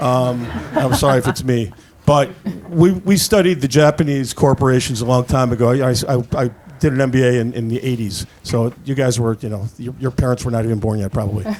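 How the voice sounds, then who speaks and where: Speaking with an American accent, a man keeps a fairly quick pace and ordinary pitch variation. Background noise is noticeable. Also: medium pitch for a man. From Chicago, US Midwest. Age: 60s. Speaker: audience member at campus event. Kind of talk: audience question at public debate. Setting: university classroom with audience.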